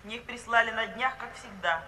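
An actress playing a resolute, independent young daughter in a 1950s radio play, brisk, firm and formal. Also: female voice, on the high side, pushed and bright. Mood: cold, resolute. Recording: echoey, distant old radio recording, hiss.

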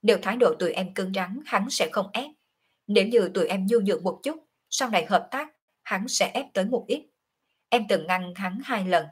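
A woman voicing a calm young woman who confides in her lover, in an audiobook reading. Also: medium pitch, normal speed, breathy edge. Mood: confiding.

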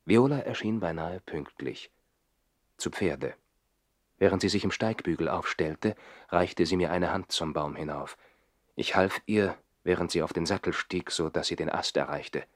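An actor playing a passionate nobleman who lives in the trees and recalls his love in a measured, literary way, in a 1960s German radio play. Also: low voice, no room sound, studio quality. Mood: subdued, wistful.

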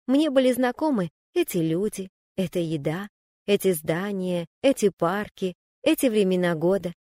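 A woman reading a first-person memoir aloud as an audiobook narrator, in a calm, even and reflective way. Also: medium pitch, dry recording, clean studio sound.

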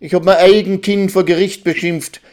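A man voicing a distraught Jewish village mother who laments loudly over her child's honor. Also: lively intonation, normal speed, lightly acted. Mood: wailing. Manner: lamenting, high and insistent.

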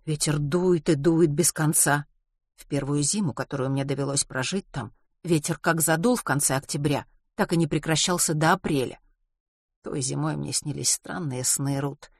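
A narrator voicing a soft-spoken young woman. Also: low-pitched, moderate pace, husky, no echo, clean studio sound. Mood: confiding. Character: young woman recalling a harsh island winter.

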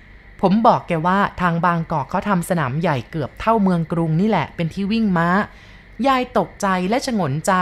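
A woman reading a first-person ghost story aloud in a dramatic, hushed storytelling manner. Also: lowish voice.

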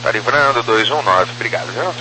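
A man's voice: medium pitch, expressive, a little fast, music in the background. A Brazilian man giving brief aviation readbacks over a radio. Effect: radio transmission. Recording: humming, noisy aviation radio.

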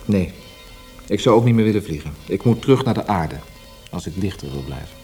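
An actor playing a weary, melancholy poet, speaking in a lyrical, introspective manner in a literary radio drama. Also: male voice, low voice, animated, fairly quick, a little mellow, soft background music. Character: brooding, weary, melancholy male Austrian poet.

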